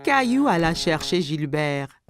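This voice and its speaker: A woman narrating a scripted story for young children in a clear storytelling manner. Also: low-pitched, very animated, measured pace, a little hiss or hum.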